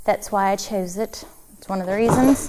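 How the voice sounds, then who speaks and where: There is noticeable background noise. A woman speaks at a medium pitch with an American accent. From Texas. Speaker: crafting youtuber. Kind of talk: tutorial. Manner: casual, chatty.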